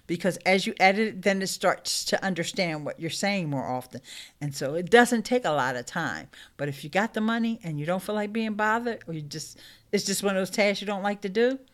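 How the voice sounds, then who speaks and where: A woman's voice: medium pitch, a bit bright. A middle-aged woman hosting a casual live stream, chatting upbeat with her viewers and laughing often. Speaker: YouTube live stream host. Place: small room indoors.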